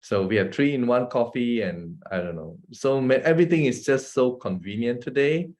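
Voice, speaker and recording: Man, Malaysian English accent, presenter, casual chatty talk, keeps asking the listeners "right?", mid-pitched voice. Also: animated, moderate pace, a little mellow. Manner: chatty, asks "right?" often, laughs between points.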